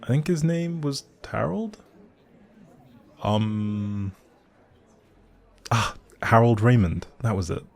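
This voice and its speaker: A man with a gravelly, mid-range voice speaks slowly with long pauses, playing a young barista who is grumpy but secretly sweet in an intimate audio roleplay. Addressing the listener directly, he's curious, chatty, teasing, wry and bookish, dropping hesitant asides.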